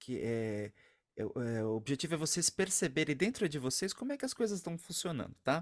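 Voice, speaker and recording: Against a quiet background, a man talks at a fairly quick pace. His fairly high pitch swings very widely. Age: 50s. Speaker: singing and voice workshop instructor; voice workshop instructor. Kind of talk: online workshop instruction. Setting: video call. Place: home room. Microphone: studio mic.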